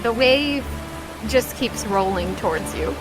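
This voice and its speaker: A woman's voice: on the high side, lively intonation, a little slow, music in the background, poor audio. A woman game master improvising casual, conversational narration for a tabletop game, often saying "like". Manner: conversational, peppered with "like".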